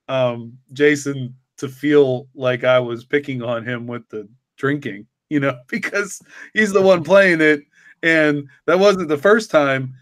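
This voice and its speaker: A man chatting casually as a story's co-creator, in a halting, rambling way that often repeats words. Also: fairly high pitch, no echo, studio quality. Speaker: co-creator and writer discussing his story. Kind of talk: casual chat.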